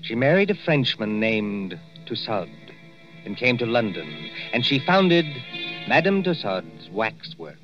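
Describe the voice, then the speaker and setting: A man narrating a 1940s radio drama in a measured, dramatic way, on a dull old recording. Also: medium pitch, very animated, soft background music.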